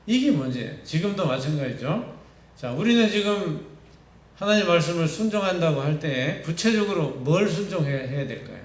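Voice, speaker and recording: A man with a Gyeongsang accent preaches to teenagers in a fairly high voice, chatty and full of questions to the room. He sounds distant from the microphone, and the church hall adds a roomy echo around every phrase. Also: animated, moderate pace. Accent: Gyeongsang Korean. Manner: conversational, keeps asking the listeners questions. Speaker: pastor for youth. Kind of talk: youth sermon. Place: church sanctuary.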